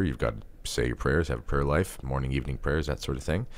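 A man talks at a very fast pace with a Canadian accent. Vocal fry runs through his voice. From Canada. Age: 30s. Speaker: journalist and author. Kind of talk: interview.

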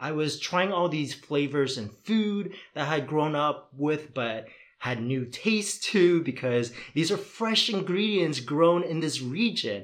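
Using a normal speaking voice, a man talks at a fairly slow pace with lively intonation and a fairly high pitch. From Canada. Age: 20s. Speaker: world traveller. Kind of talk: casual interview chat. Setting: studio, in person with host.

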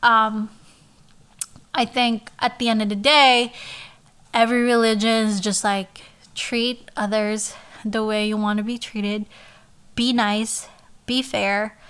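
A woman talks at a fairly high pitch and a fairly slow pace. Her speech has long, frequent pauses. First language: not English. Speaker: podcast host. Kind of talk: solo casual chat. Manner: loud; animated.

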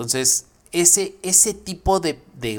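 A man speaks with lively intonation. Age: 20s. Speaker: podcast host. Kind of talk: solo casual monologue. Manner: hesitant with many fillers and repetitions.

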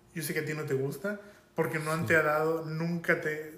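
At a moderate pace, a man talks in a fairly high pitch, with audible echo from the room. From Mexico, Tampico, Tamaulipas. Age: 20s. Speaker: guest, coworker. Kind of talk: casual chat.

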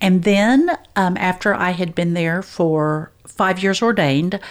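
A woman at a medium pitch talks in a plain, everyday voice, with ordinary pitch variation. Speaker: pastor. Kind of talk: casual interview conversation.

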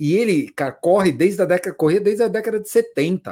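A man's voice has a dark, mellow tone and a moderate speed. The background is silent on this very clean recording. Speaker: podcast co-host. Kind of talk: casual chat.

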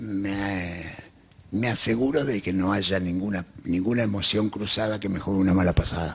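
This man has a fairly low pitch, talking at a moderate pace with ordinary pitch variation. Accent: Rioplatense. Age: 60s. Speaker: TV producer. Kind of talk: radio interview.

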